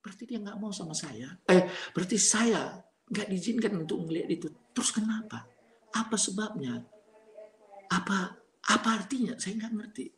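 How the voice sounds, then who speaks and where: A man's voice: high voice, lively intonation, moderate pace, echoey room. A man giving an earnest, emotional testimony sermon to a congregation, often turning to address his listeners directly. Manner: emotional, voice swinging between hushed and raised. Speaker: preacher giving a conversion testimony.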